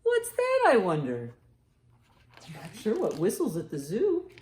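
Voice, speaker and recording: A storytime host with a fairly low, darkish voice reads aloud to young children and tests them with riddles. She encourages them and greets their answers with exaggerated reactions, in a recording with a roomy, echoing sound.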